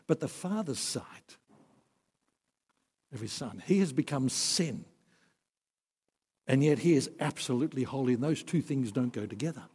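A man's voice: mid-range voice, husky. Man preaching in a reverberant hall. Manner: earnest, rising to emphatic then dropping soft. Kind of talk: sermon.

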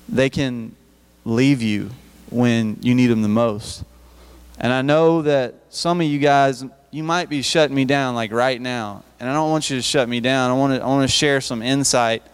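A man's voice: mid-range voice, clear, resonant tone. Man preaching to youth in a reverberant hall. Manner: conversational, repeats words and restarts. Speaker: youth speaker. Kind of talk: youth service sermon. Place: church hall.

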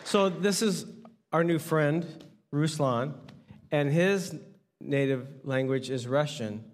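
A man preaching to his congregation as pastor, talking in a casual, animated way. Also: fairly high pitch, slow pace, a faint crowd, slight background noise. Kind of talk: sermon. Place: church sanctuary. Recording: long hall reverb.

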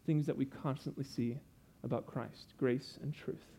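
A man's voice: medium pitch, steady tone, a little slow, dark tone, breathy edge. A young man preaching a sermon, earnest and explanatory, stopping to teach with asides.

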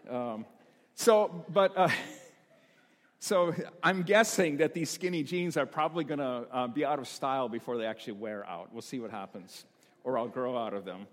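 Older pastor preaching in a reverberant church. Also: male voice, mid-range voice, normal speed. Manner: relaxed, self-deprecating, joking with the congregation. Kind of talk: sermon. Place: church sanctuary. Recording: long hall reverb in a church.

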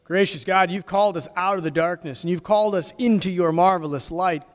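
American guy pastor praying formally at a service, kinda high voice, big echoey hall reverb. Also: brisk. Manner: solemn, formal recitation. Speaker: pastor leading worship. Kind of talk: liturgical prayer, congregational service. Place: large church interior during a service.

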